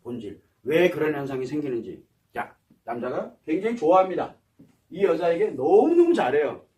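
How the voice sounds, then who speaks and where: A man's voice: fairly high pitch, very animated, normal speed, darkish tone, distant mic. A man giving a psychology lecture to an audience, asking rhetorical questions and answering them himself.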